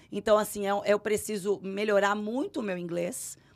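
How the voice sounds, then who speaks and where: A woman with a normal speaking voice talks at a medium pitch with ordinary pitch variation, recorded very cleanly against a silent background. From Santos, Brazil. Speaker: entrepreneur. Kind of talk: interview. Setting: studio.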